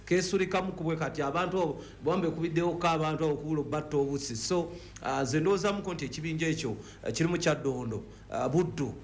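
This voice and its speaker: Male football pundit, Ugandan accent, rapid-fire discussion, mixed English phrases, faint noise. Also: on the high side. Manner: mixes in English words and phrases. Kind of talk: sports discussion.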